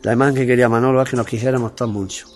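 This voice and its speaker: A man's voice: mid-range voice, steady tone, racing, darkish tone, faint music behind. A man, speaking as an interview guest in an earnest, plain-spoken, repetitive way. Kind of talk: earnest personal testimony.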